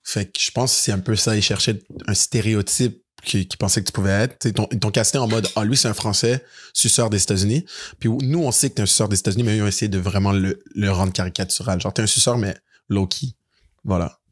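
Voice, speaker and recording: Québécois guy on a podcast, talks real fast, teasing, drops english words in. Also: lowish voice, fairly even intonation, slightly rough. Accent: Québécois French. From Quebec. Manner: quick, teasing, mixes English words into French. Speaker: podcast co-host. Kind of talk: casual chat.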